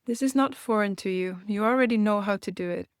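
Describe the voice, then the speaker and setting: Gentle woman guiding meditation, dry close sound. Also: mid-range voice, clean tone, no room sound. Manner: gentle, reassuring, unhurried pauses. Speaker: meditation guide and host. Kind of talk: guided meditation, gently instructional.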